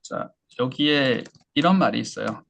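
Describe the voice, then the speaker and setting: A man teaching English pronunciation in a lecture, explaining step by step and modeling phrases slowly for learners to repeat. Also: medium pitch, creaky, a bit bright. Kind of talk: online lecture.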